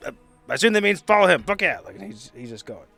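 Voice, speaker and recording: A man's voice: mid-range voice, sing-song, fast talker, vocal fry, bright, forceful tone, soft background music. A man playing a tabletop game, chiming in with casual, joking table talk.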